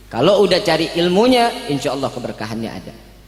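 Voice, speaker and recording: A man with a Jakarta accent at a fairly quick pace, his pitch swinging very widely, amid audible room echo and noticeable background noise. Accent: Betawi. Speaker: Islamic preacher. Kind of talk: humorous sermon. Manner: animated; casual slangy.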